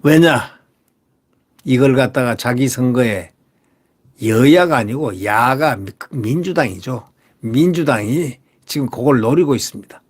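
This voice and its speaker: A man's voice: mid-range voice, expressive, a little slow. A man hosting solo political commentary, talking emphatically and firing rhetorical questions at his viewers while repeating his catchphrases.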